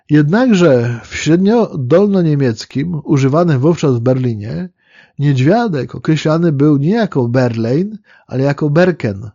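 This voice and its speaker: A man with a fairly high yet dark, mellow voice delivers a measured history lecture, often pausing on fillers and restarting phrases. The recording is dry and a little muffled, with no room sound. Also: no echo. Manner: measured, explanatory, with fillers and self-corrections.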